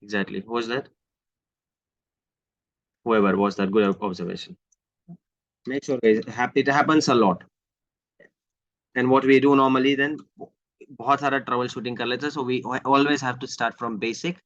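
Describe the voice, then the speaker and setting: An IT trainer with an Indian accent teaches a live online technical lesson over screen share, explaining step by step, repeating phrases and mixing in some Hindi, with slightly unclear articulation. His medium-pitched voice is steady and fairly bright, brisk but pausing often. The close-mic audio is dull and lo-fi, with no echo.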